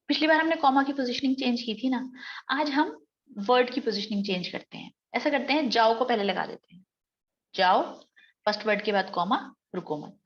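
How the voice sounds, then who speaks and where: A woman with an Indian English accent teaches an exam-prep lecture, explaining each point step by step. Her voice sits a little high. The recording is slightly dull and lo-fi. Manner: explains step by step, reads sentences out slowly.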